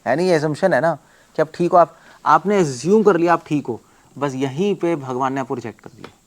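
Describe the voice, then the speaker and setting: A man's voice: fairly high pitch, moderate pace. Emphatic man giving a devotional talk. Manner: emphatic, asks rhetorical questions, mixes English words. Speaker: monk teaching devotees. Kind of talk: devotional lecture.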